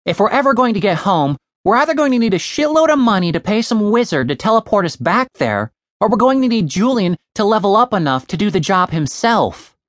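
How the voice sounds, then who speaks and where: A man's voice: high-pitched, sing-song, fairly quick, dry recording, clean studio sound, voice pushed up. A woman voicing a grumpy, foul-mouthed young man, a former bartender who rants profanely. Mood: defiant. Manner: profane, ranting.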